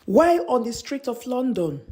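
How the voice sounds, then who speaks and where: A woman narrating a scripted story in a measured, dramatic storytelling manner. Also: a little high, very animated, warm tone, slightly rough, no echo.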